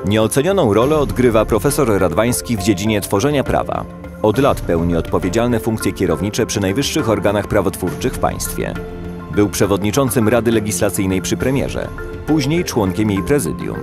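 Casting note: deep-ish male voice-over, formal, steady read, clear music bed. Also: moderate pace. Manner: even, formal reading. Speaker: documentary narrator. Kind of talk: scripted narration.

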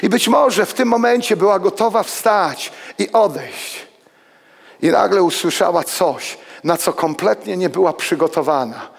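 A man in his sixties preaching a sermon to his congregation, walking among the pews and swinging between loud exclamations and hushed asides. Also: high voice, expressive, a little slow, creaky. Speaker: pastor. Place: church hall with pews and congregation. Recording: long reverb of a church hall.

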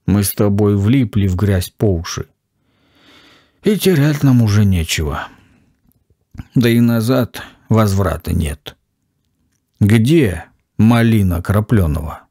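A man's voice: on the low side, expressive, takes it slowly, pauses often, mellow, no room sound, clean studio sound, heavily acted. A man doing a grim, curt young avenger. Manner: curt, threatening. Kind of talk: audiobook character voice.

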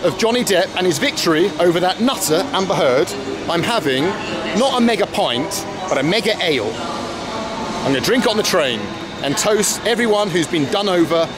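A man's voice: high voice, lively intonation, moderate pace, over music. A man in his thirties chatting with wry asides to a handheld camera at arm's length, vlogging his travels through a big train station and onto a train. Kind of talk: casual travel vlog to camera. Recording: noisy station and train ambience.

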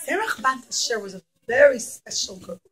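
High-pitched woman telling children a story. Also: sing-song, moderate pace, faint music behind. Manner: simple repetitive phrasing, asks listeners questions. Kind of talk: animated storytelling for young children. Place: small classroom, indoors. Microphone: camera a short distance away.

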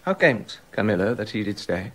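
An actor portrays a jealous, brooding middle-aged king in a radio drama, muttering bitter asides before building into angry accusation. His voice is lowish and fairly quick, with big swings in pitch.

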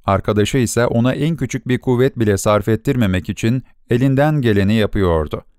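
A man narrating a short story for an audiobook in a measured storytelling delivery. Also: medium pitch, darkish tone, clear, resonant tone, dry recording, studio quality. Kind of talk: scripted narration.

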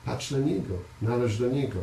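A man's voice: medium pitch, moderate pace, gravelly, mellow. Earnest guy preaching, kinda hesitant, stumbles and repeats words, sounds far off in an echoey room with faint hiss. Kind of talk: conversational sermon with congregation responses.

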